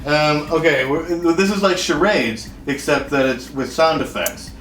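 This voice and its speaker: A man's voice: fairly high pitch, expressive, measured pace, a bit bright, roomy sound, a little hiss or hum, rough recording. A man hosting a casual comedy show, interviewing guests and introducing games in a loose, joking, improvised way.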